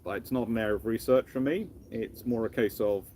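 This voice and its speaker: A British history lecturer hosts a casual live Q&A stream, rambling discursively and restarting his phrases. His voice is fairly low and darkish, his pace a little fast, with slight background noise behind him.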